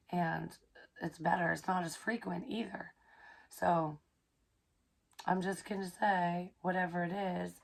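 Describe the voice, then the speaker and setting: A hoarse young woman, chatting casually in a rambling psychic vlog, swearing freely and filling pauses with ums. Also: on the low side. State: hoarse, recovering from illness. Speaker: psychic medium vlogger.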